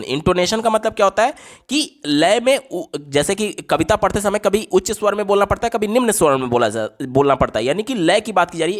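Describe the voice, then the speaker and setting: Guy teaching exam prep, fairly high voice, reads options out slow then explains.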